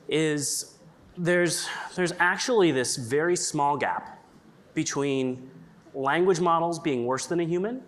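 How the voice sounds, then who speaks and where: A man's voice: medium pitch, a bit bright. A man speaking on a conference panel in a casual, chatty way, full of "like" and "um", whose first language is English. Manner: chatty, lots of likes and ums. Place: conference stage.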